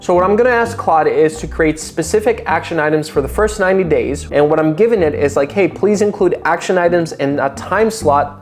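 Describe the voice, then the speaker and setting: A man in his late twenties talking casually in a vlog, reading tips aloud and joking with a lot of swearing. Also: on the high side. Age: 20s. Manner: profane, joking, self-deprecating. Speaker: vlogger.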